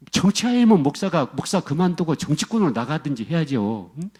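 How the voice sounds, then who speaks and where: Middle-aged pastor guy preaching, husky mellow voice, keeps hammering the same words at the crowd. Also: a little high. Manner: emphatic, repetitive preaching with direct address to the congregation. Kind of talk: sermon.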